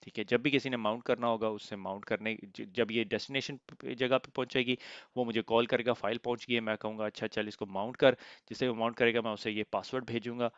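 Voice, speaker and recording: A man teaching an IT lesson step by step, pausing often to check in, his throat slightly sore. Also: mid-range voice, level tone, clear, resonant tone, no echo, muffled recording. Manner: explains step by step, often asks "theek hai?". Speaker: IT instructor. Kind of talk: screen-recorded software tutorial.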